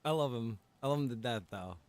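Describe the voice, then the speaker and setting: A man chatting casually in game roleplay, repeating himself and pausing as he talks. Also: mid-range voice, expressive, gravelly, a little mellow. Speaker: roleplay game streamer and server developer.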